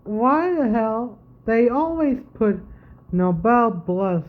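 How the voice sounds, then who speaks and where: Slow-paced woman commenting on gameplay. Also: on the high side, animated, phone-quality sound. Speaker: gaming streamer. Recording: game music behind the voice. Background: video game music.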